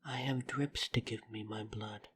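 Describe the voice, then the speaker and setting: A woman playing a guarded but devoted young vampire in an audio drama, recorded with some low rumbling noise. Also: fairly even intonation, unhurried.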